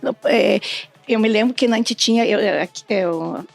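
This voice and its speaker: A woman's voice: mid-range voice, moderate pace, creaky, soft background music. A middle-aged or older woman chatting as a podcast guest, telling stories and acting out quoted exchanges. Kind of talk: casual conversational interview, anecdotes.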